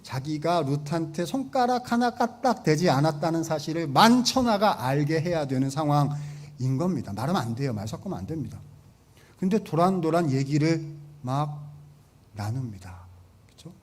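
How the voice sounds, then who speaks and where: A man's voice: a little high, very animated, moderate pace. Bantering male pastor, slightly raised voice. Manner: conversational, asks the congregation questions, acts out quotes. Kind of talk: humorous sermon.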